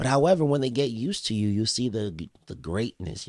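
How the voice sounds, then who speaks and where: The voice has a New York accent, lively intonation and an animated tone. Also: man, very clean recording, silent background. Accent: American, New York. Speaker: podcast co-host. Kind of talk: casual chat.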